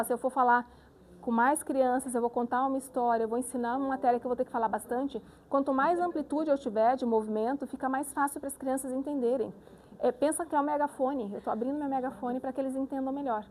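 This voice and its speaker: Slight background noise accompanies a high-voiced woman speech therapist as she delivers a live lecture with voice exercises. She demonstrates animatedly and keeps checking in with listeners.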